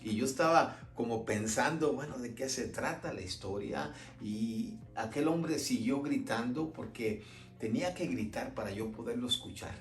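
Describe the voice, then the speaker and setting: A man's voice: mid-range voice, moderate pace, reverberant, soft background music. A man telling a Christian testimony as a dramatic story, emphatic and repeating words for effect.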